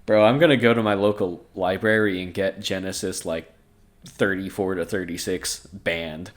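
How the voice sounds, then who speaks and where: This male podcast co-host speaks in a low voice at normal speed, his intonation fairly even. Between passages of scripture he cracks crude jokes and laughs a lot.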